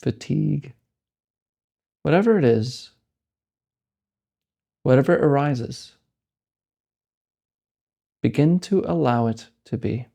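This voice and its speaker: A man with a soft-edged, mellow voice guides a meditation. His pitch sits in an ordinary male middle range. He phrases things gently and leaves deliberate space between thoughts, giving simple, calm instruction. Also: gravelly.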